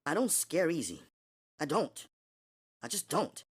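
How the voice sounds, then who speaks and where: A man voicing a tough, streetwise young woman who speaks fast and emphatically, her pitch climbing as she talks. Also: wildly swooping pitch, husky, full character voice. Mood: rattled. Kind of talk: audiobook character voice.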